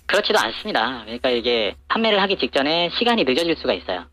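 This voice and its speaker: An anonymous man speaks through an electronic voice changer that masks his identity. He answers quickly and matter-of-factly, with pitch that moves freely and a tense, bright edge. Hesitant fillers run through his speech. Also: sing-song, a little hiss or hum, poor audio. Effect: voice disguised by an electronic voice changer. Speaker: anonymous supplier to TV shopping channels. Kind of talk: interview answers.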